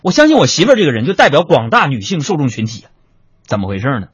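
A man telling a comic story, chatty and animated, talking to his listeners as friends. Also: on the high side, fast, husky, no room sound. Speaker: comedian. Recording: dry lo-fi recording.

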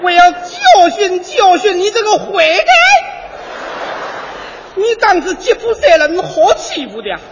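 A woman's voice: very high-pitched, sing-song, a little slow, in a large hall, lo-fi sound, very noisy, exaggerated voice. A woman voicing a fiery young Gypsy woman in a Yangzhou accent, scolding shrilly with mock wailing.

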